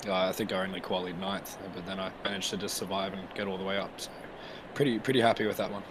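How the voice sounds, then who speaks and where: A hoarse man getting over a virus, a racing driver giving a modest, apologetic account of his race. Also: sits low, fairly even intonation, quick pace, background noise. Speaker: racing driver being interviewed.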